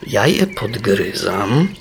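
Man doing a gruff mumbling beaver. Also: on the low side, sing-song, slow, a little hiss or hum, voice pushed down, heavily acted. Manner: mumbling, blunt. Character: hard-working gruff male beaver.

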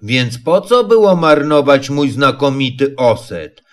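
A man's voice: medium pitch, lively intonation, a little slow, lightly acted. A man voicing a gloomy, self-pitying old donkey in a storybook reading, mournful and drawn out. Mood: sarcastic.

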